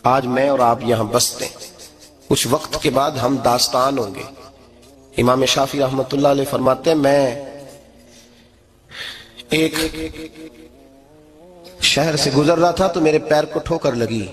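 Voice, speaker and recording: A middle-aged man, preaching a sermon in an animated way and climbing to high, emphatic peaks. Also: unhurried, pauses often.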